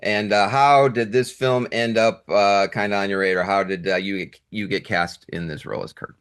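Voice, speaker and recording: A man hosting a conversational film interview, with slightly halting phrasing. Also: fairly low pitch, fairly even intonation, fairly bright tone, clean tone. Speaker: interviewer, show host.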